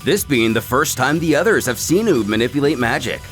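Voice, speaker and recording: A man giving a scripted story recap as a narrator, in a dramatic, animated storytelling manner. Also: mid-range voice, brisk, faint music behind. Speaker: narrator of a fan comic recap series.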